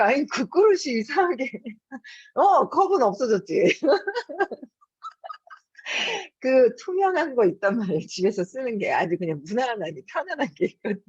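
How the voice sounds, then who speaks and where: A woman's voice: a little high, darkish tone, husky, dry recording. A woman in her fifties hosting her own channel, telling a home story in a chatty, casual way and laughing often between her words. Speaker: host. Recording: dull lo-fi recording.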